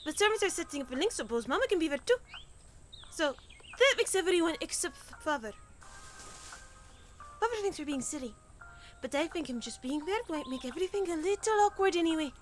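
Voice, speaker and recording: Woman acting very high-voiced, chatty young princess. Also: expressive, a little fast, faint music behind. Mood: bubbly. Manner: rambling, emphatic, stammering. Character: young princess, chatty, earnest, coaxing her sibling. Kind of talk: fiction podcast acting.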